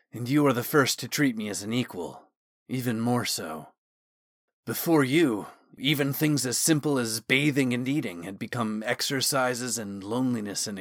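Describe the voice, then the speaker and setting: A man voicing an excitable, easily offended, brash male guardsman in an audiobook, with a dramatic way of talking. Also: mid-range voice, normal speed, no echo, clean studio sound. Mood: solemn, tender. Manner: exclamatory, dramatic. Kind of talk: audiobook character dialogue.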